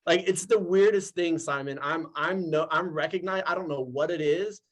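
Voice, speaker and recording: Excitable man in his forties, high voice. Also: normal speed. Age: 40s. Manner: excitable and animated, laughs often. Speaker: actor guest. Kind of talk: casual interview chat.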